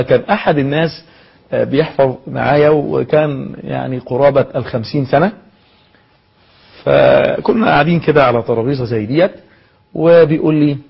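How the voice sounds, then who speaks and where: A man with an Egyptian Arabic accent giving a spoken lesson as a Quran memorization teacher, lecturing in a lively way with rhetorical questions. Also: on the high side, creaky, breathy edge. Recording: dull lo-fi recording.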